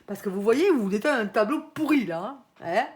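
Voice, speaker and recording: A woman's voice: fairly high pitch, lively intonation, normal speed, darkish tone. Chatty woman doing a tarot reading. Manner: chatty, frequent tag "hein", addresses her angel. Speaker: tarot card reader.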